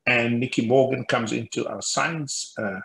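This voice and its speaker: A man, a professor telling stories on a video call from a room at home. He talks in an animated, anecdotal way, laughing often. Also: mid-range voice, unhurried, creaky, rough recording. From South Africa. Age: 60s. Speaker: guest speaker, professor. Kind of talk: storytelling interview on a video call. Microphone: headset on a video call.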